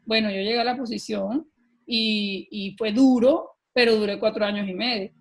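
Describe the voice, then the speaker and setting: A middle-aged Colombian woman telling her own story as a podcast guest, earnest and animated, often pausing with filler words. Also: mid-range voice, vocal fry. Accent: Colombian Spanish. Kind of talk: personal storytelling in an interview.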